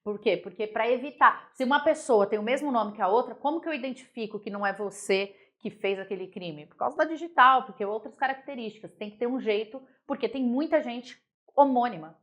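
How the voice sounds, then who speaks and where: A young Brazilian woman teaching a grammar class in a relaxed, chatty way. Her voice sits a little high, and she stays animated as she explains. She keeps stopping to check that everyone is following. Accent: Brazilian Portuguese. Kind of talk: casual exam-prep grammar lesson.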